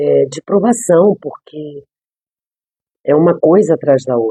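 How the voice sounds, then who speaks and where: A woman speaks in a very deep, low pitch with a dark, mellow tone. Her fairly slow delivery sounds dry and close, with no echo. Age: 60s. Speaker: Bible teacher. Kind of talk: devotional talk. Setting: livestream. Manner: halting; plain, simple.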